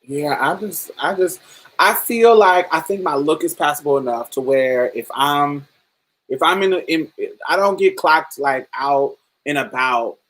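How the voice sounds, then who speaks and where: A woman with a deep voice hosting a casual podcast chat, telling stories with frequent laughter and calling the listener honey and baby. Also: measured pace, low-quality recording. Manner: animated storyteller, laughs often, calls listeners honey and baby. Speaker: podcast host.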